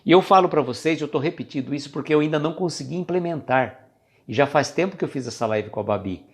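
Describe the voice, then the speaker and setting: A man's voice: fairly high pitch, animated, fast. A man with a Brazilian Portuguese accent hosting a live stream and giving a casual spiritual reflection in a chatty, conversational way. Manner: conversational, chatty, greets viewers, loses his thread.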